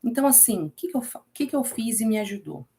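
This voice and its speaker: A woman's voice: a little high, expressive, fast talker, dark tone. A woman with a Brazilian Portuguese accent teaching a casual Bible study class, chatty and often checking in with her students.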